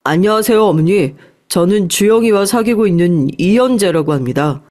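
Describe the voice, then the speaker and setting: Woman reading an earnest young guy being respectful, audio story, mid pitch. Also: lively intonation, moderate pace, a little mellow, lightly acted. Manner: polite, earnest. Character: earnest, polite young man courting, devoted suitor. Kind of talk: dramatized story dialogue.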